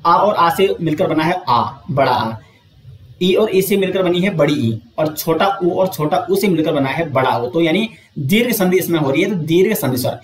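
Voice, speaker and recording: A man teaching an exam coaching lesson, explaining step by step, asking and answering his own questions, and drawing out sounds slowly to show them. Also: fairly high pitch, expressive, roomy sound.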